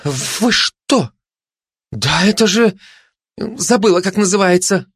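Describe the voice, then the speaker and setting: A man voicing a gluttonous, excitable female dog who squeals and rambles dreamily about food, in a dry close recording. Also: sits high, takes it slowly, breathy edge, dry recording, pitched above the performer's own voice, heavily acted. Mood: eager.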